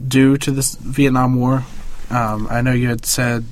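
A man with an average-pitched voice conducts an informal interview. He frames his questions tentatively, with small pauses along the way. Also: level tone, slight background noise, poor audio. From United States.

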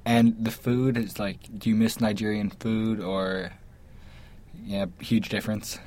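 A man's voice: fairly low pitch, level tone, a little slow, darkish tone. A young man from New Jersey with an American accent runs a casual interview. He puts his questions informally and keeps an easygoing, conversational manner. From New Jersey, United States.

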